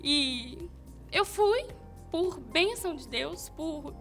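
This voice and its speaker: A young woman from Minas Gerais with a Mineiro accent, a guest singer telling her story with animated, laughing self-quotes. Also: sits high, drawn-out words, soft background music. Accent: Mineiro Brazilian Portuguese. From Minas Gerais, Brazil. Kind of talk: casual interview chat.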